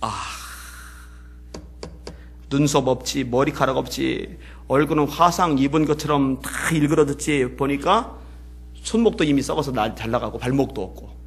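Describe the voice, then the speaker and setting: A man preaching as pastor, telling a story and swinging between hushed passages and loud, emotional peaks. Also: medium pitch, moderate pace, creaky, slight background noise. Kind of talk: sermon. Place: church.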